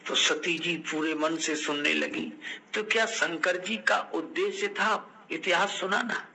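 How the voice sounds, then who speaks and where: A man's voice: sits high, gravelly, sharp tone, slight background noise, poor audio. An older man giving a devotional sermon, telling scripture stories, acting out quoted dialogue and breaking into chanted verse. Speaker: Ram Katha preacher.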